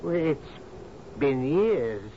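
An actor playing a loyal, deferential manservant to a sea captain in a radio drama, mild and hesitant in manner. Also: male voice, a little high, big pitch swings, drawn-out words, full character voice. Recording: muffled, noisy old radio broadcast.

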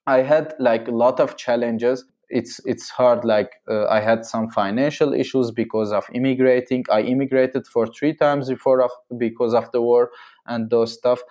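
Mellow man. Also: medium pitch, steady tone, moderate pace. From Syria. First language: Armenian and Arabic. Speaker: podcast guest, marketing agency founder. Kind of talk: casual conversational interview answers.

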